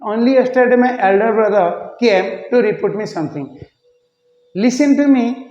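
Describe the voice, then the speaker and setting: A man teaching an English pronunciation lesson, repeating words slowly to show how they should sound. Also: high voice, a little mellow. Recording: echoey room, muffled lo-fi sound.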